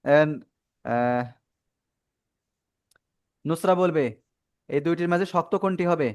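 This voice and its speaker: A man's voice: on the high side, takes it slowly, smooth. A man teaching a Quran reading class to children over a video call, patiently prompting pupils and praising their answers. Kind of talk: online class instruction.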